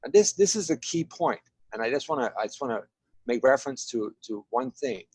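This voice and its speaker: An enthusiastic man from Denmark walks through slides, asking "right?" after many points. His voice has a medium pitch and sounds close and dry, with no room around it. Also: lively intonation, a little fast, a little mellow, husky, dry recording. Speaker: guest presenter. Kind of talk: presenting slides in a webinar.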